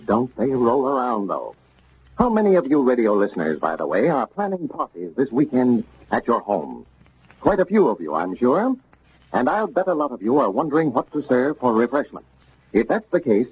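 A man's voice: medium pitch, a little mellow. Folksy 1940s radio announcer, man. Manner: friendly, folksy introductions and ad talk. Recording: dull old radio recording with faint hiss.

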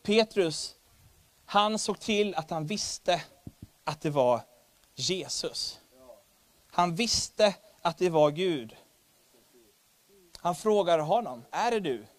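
A man preaching a sermon, animated and humorous, rising to loud emphasis. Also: sits high, long pauses, dry recording.

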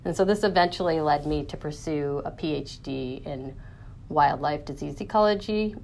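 A woman's voice: low-pitched, moderate pace, gravelly, a little mellow, a little hiss or hum. A woman, an academic guest explaining her research in an interview.

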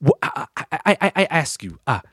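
A man doing a scolding Nigerian man who stammers and repeats himself as he rants. The pitch swoops widely, and the sound is dry and close. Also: sing-song, fairly quick, a bit bright, husky, dry recording, full character voice. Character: scolding Nigerian man ranting at a rival fan. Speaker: podcast co-host. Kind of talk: comic rant on a podcast.

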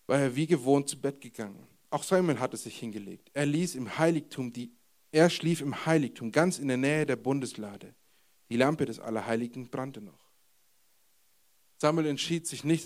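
A man preaching a casual sermon, retelling a Bible story in informal slang and speaking directly to his listeners. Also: mid-range voice. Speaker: youth pastor.

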